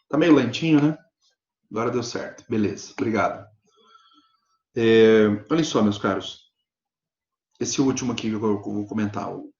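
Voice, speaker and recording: A man with a Brazilian Portuguese accent, a law professor giving a live online lecture, explaining points and checking in with frequent "né?". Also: vocal fry. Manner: explanatory, peppered with "né?" and "tá?" check-ins; animated pitch swings for emphasis. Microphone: computer mic on a video lecture platform. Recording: echoey, dull lo-fi online class audio.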